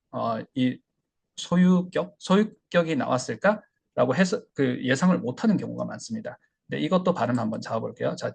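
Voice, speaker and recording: Guy teaching english pronunciation, gravelly husky voice, explains step by step and says the words out loud. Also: mid-range voice. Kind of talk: online language lesson.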